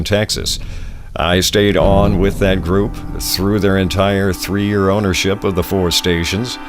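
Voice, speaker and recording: Deep-voiced American male announcer over music. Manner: polished announcer delivery, self-promoting pitch. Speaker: voiceover artist and radio production director. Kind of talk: scripted promotional narration. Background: music bed under the voice.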